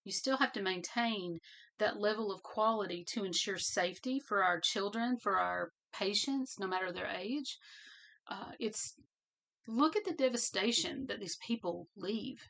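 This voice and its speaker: A woman's voice: medium pitch, a little slow, a bit bright. A woman hosting a podcast, talking through her points alone in an earnest way and often repeating phrases for emphasis. She is losing her voice and coughs now and then. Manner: coughs and clears throat. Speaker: podcast host. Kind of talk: solo podcast commentary.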